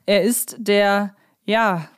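A woman's voice: mid-range voice, steady tone, extremely slow, smooth. A woman co-hosting a podcast in a casual, chatty discussion, putting questions to her partner in a conversational way. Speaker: podcast co-host.

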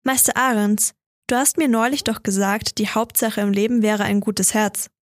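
A woman's voice: medium pitch, steady tone, normal speed, dry recording, clean studio sound, close to an everyday voice. A woman voicing a bold young boy who speaks up insistently.

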